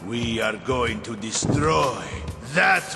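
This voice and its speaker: Gravelly slow anime villain, long echo, music under it. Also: male voice, medium pitch, lively intonation. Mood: menacing. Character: sinister commanding villain. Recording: reverberant anime clip with music.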